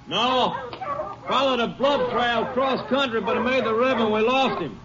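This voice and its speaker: High, shouting posse man. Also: normal speed. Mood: agitated, frustrated. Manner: calling out, urgent. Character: agitated posse man back from a failed manhunt. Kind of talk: 1950s radio western acting. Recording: noisy, dull old radio recording.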